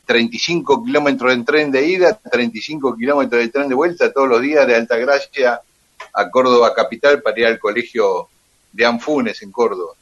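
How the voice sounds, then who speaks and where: Argentine man, radio storyteller, chatty, filler-heavy, mid-pitched, dull broadcast sound. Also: a little fast. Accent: Argentine Spanish. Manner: chatty, full of fillers like "este" and "eh". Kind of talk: casual radio chat, storytelling.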